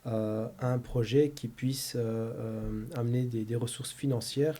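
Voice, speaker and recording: A man's voice: mid-range voice, fairly even intonation, a little slow, warm tone. A man hosting a podcast, asking polite questions with many filler sounds. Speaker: podcast host. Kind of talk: interview questions.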